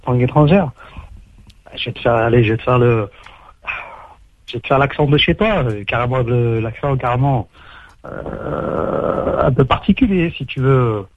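A man's voice: medium pitch, lively intonation, moderate pace, pauses often. Boastful man on a dull phone line. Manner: boastful, hesitant, many fillers. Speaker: caller on a radio show. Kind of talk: phone conversation.

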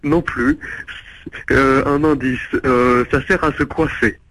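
A man in an intimate phone conversation, agreeing eagerly with breathy interjections. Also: medium pitch, fairly even intonation, slow, a bit bright. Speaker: prank call target. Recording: phone call with faint noise.

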